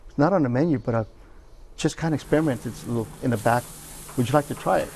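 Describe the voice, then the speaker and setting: Guy with a gravelly voice, laid back, telling food stories. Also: mid-range voice, fast, darkish tone, a little hiss or hum. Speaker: show panelist. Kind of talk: restaurant review chat.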